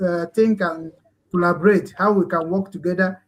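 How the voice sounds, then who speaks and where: Igbo-accented Nigerian male host, high-pitched, rambling and earnest, lots of "uh" and restarts. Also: fairly even intonation, normal speed. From Nigeria, Igbo land. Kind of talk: online talk show hosting.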